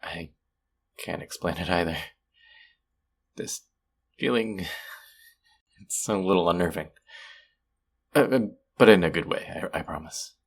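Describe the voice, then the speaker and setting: A man playing a sweet, smitten stranger in an intimate romantic audio roleplay, speaking softly and hesitantly in a husky, gravelly voice. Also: sits low. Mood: tender, hesitant. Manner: soft, hesitant, tender, with pauses.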